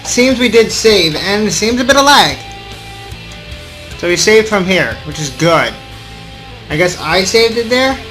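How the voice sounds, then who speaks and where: A man's voice: sits high, sing-song, unhurried, long pauses, sharp tone, faint music behind. A young adult man hosting a casual gaming video, reading story text aloud informally with offhand asides and the occasional stumble.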